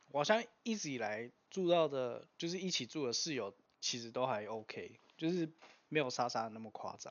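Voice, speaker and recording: This man, pitched fairly high, keeps a moderate pace while his pitch swings very widely. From Taiwan. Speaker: office worker, podcast co-host. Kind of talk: casual chat.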